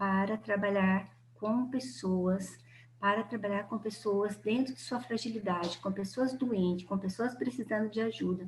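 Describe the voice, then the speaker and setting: At a fairly slow pace, a woman talks in a somewhat breathy, medium-pitched voice with ordinary pitch variation and very even loudness. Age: 60s. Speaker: nurse manager. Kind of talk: webinar talk.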